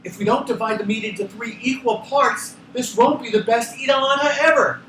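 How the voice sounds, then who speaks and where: A man voicing a bright, precise little girl from a children's storybook, earnest and emphatic. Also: extremely high pitch, a little fast, a little hiss or hum, pitched above the performer's own voice. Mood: concerned. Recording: echoey room, distant from microphone.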